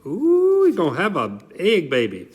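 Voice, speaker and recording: A man voicing an excitable, sassy alligator king who drawls comic, repetitive interjections. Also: sits high, moderate pace, husky, exaggerated voice. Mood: marvelling, teasing.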